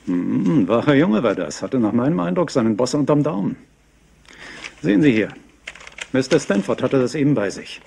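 A man's voice: medium pitch, very animated, normal speed, gravelly, mellow, a little hiss or hum. A man playing an efficient, businesslike police assistant giving reports in a German-dubbed crime drama. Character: efficient, matter-of-fact male police assistant.

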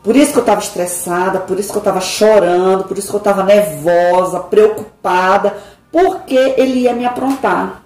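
A woman's voice: mid-range voice, moderate pace, darkish tone. A middle-aged woman, chatting casually and confidingly to her viewers from her home kitchen, with dramatic sighs. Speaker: vlogger. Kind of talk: casual chat. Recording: echoey kitchen with noise.

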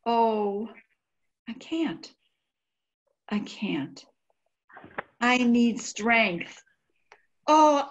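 An older woman gives a dramatic, emotional, halting reading of a diary. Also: sits high, lo-fi sound, a little hiss or hum. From United States. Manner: emotional, halting, sighing delivery. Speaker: volunteer diary reader. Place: indoor room by a window.

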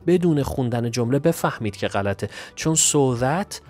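Male English tutor, methodical explainer, mid-pitched, faint music bed. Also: expressive, darkish tone. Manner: methodical, reads English examples slowly and clearly. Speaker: English teacher. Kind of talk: exam answer walkthrough.

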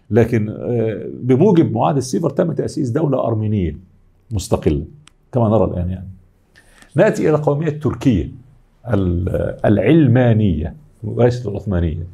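A man's voice: on the low side, lively intonation, fast, vocal fry, dark tone, husky. A middle-aged man with an Egyptian accent giving an academic lecture, explaining step by step and answering his own questions. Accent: Egyptian Arabic.

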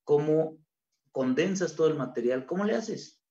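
A man with a Mexican accent gives an informal, colloquial conference talk on gastronomy research, acting out quoted voices along the way. His voice is a little high, animated and mellow at normal speed, captured in a dull lo-fi recording.

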